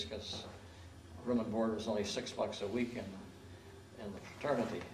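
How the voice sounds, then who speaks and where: There is audible room echo and light background noise. A man talks at a moderate pace with fairly even intonation. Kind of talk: interview answer. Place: office.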